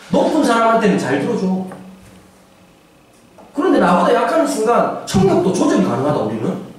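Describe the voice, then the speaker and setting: Pastor guy preaching, super high voice that swings all over, big echoey church from far off. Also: slight background noise. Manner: animated and humorous, acts out voices and shouts for effect. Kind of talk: sermon. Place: church sanctuary. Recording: echoey church hall, distant mic, faint ambience.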